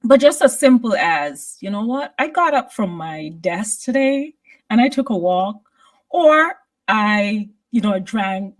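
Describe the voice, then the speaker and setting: A woman from Guyana, a podcast guest, telling personal stories in a thoughtful, steady conversational way. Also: medium pitch, measured pace. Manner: thoughtful, steady, personal anecdotes with frequent "you know" and "right?". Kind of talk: reflective conversational storytelling.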